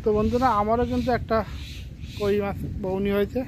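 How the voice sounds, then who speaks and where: A man narrating his own fishing trip at a rural pond, chatting casually to viewers and sometimes speaking softly. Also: high-pitched, steady tone, brisk. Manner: chatty, addresses viewers as friends, talks quietly at times. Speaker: fishing vlogger. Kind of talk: casual outdoor vlog narration.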